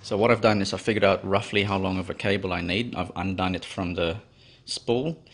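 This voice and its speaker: A man's voice: deep voice, steady tone, brisk, a bit bright, no room sound. A man presenting a casual hands-on how-to tutorial. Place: in and around a car.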